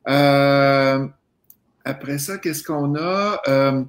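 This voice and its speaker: A man's voice: mid-range voice, extremely slow. A man hosting a casual interview and reading out viewer comments. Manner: reads out viewer comments, relaxed. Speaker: host.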